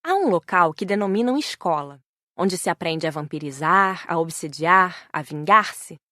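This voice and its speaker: A woman's voice: on the low side, lively intonation, moderate pace, sharp tone, no room sound, studio quality. A woman reading scripted first-person audiobook narration.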